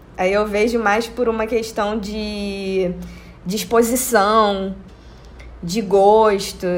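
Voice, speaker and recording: A woman speaking very slowly in a monotone, flat voice, with long, frequent pauses and audible room echo. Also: medium pitch for a woman. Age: 30s. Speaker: podcast co-host. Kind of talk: casual chat.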